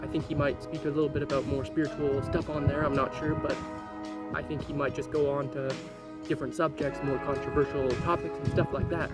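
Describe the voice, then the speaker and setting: A man giving casual, unscripted commentary to viewers as a vlogger, rambling and halting as he repeats words. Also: on the high side, level tone. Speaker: YouTube vlogger reviewing another channel. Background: music.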